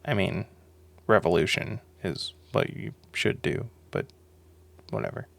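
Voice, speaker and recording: A young man with a sore throat delivers a sarcastic monologue, swearing now and then. His voice sits low and rasps with vocal fry. The sound is dry and close, with no room echo. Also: unhurried, fairly bright tone. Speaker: video essay host.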